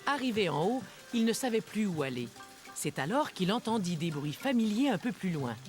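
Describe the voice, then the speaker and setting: A woman giving scripted, gentle storybook-style narration for a children's cartoon, with music behind her. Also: mid-range voice, big pitch swings, normal speed, close to an everyday voice. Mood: gentle storytelling.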